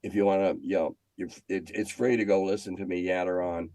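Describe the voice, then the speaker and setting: A man's voice: low-pitched, little pitch movement, a little fast, warm tone, dry recording. An older man with an American accent, chatting casually as an interview guest in a plain-spoken, wry way. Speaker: interview guest, retired magazine editor. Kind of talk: casual chat.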